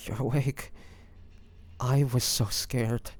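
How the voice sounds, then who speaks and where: A man's voice: mid-range voice, steady tone, very slow. A man playing a devoted, anxious young man caring for a wounded loved one, tender and hesitant, in a romantic audio roleplay. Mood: relieved, loving. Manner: tender, hesitant, breathy sighs, addressing the listener. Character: devoted, anxious young man tending his wounded dragon-shifter beloved.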